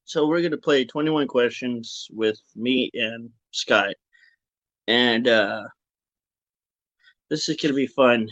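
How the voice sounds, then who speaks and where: Slow-talking laid-back guy hosting, muffled sound. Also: medium pitch, fairly bright tone, dry recording. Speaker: host of an online talk show. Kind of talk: casual rambling live chat.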